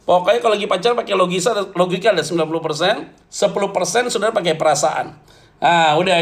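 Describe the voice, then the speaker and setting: High-voiced jokey preacher man. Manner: animated, jokey, addresses listeners directly. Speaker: pastor. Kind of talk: lively humorous sermon.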